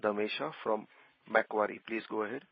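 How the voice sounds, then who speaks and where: A man with a low, gravelly voice, speaking as the operator on a conference call. He reads formal, routine announcements that bring in each caller. The audio is dull and muffled, and the voice has a husky edge. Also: steady tone, a little fast.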